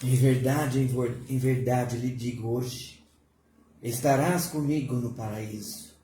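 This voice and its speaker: A woman voicing a solemn, gentle male teacher in his last hours, speaking in a slow, grave, hushed way. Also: lowish voice, sing-song, slight background noise. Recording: roomy echo.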